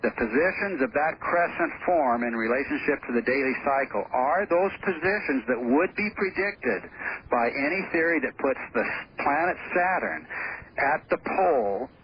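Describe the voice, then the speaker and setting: A man who is a radio guest, explaining his theory over the phone in steady, lecturing talk with "uh" pauses. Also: mid-range voice, dull audio, a little hiss or hum.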